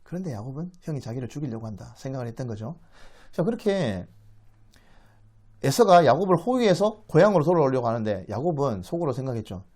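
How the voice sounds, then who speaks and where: A man's voice: medium pitch, fast, breathy edge. A man giving a Bible lecture as a dramatic story, acting out the quoted speech and putting questions to his listeners. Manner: animated, acts out the quoted speech, asks the audience questions.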